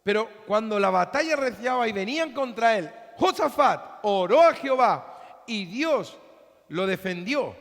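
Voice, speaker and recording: A man's voice: sits high, expressive, measured pace. A man pastor preaching a sermon in a church, telling a story animatedly and acting out its characters. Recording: echoey church hall.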